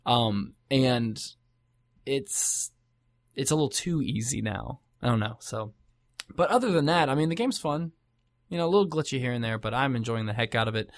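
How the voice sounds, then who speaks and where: A man's voice: medium pitch, expressive, normal speed, no room sound. A man talks loosely and at length, circling back with lots of fillers and false starts. His voice sits in a middle range. The sound is close and dry, with no room around it. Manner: rambling, many fillers and restarts. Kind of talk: casual chat about video games.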